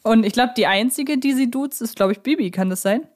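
A woman's voice: fairly high pitch, brisk. A woman co-hosting a casual discussion, speaking tentatively and often checking for confirmation. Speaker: podcast co-host.

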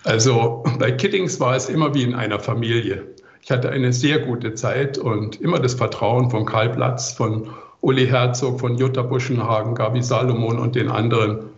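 An older man giving relaxed answers as an interview guest. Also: mid-range voice, normal speed, gravelly. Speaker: composer interviewed as podcast guest. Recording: muffled, roomy, echoey remote recording.

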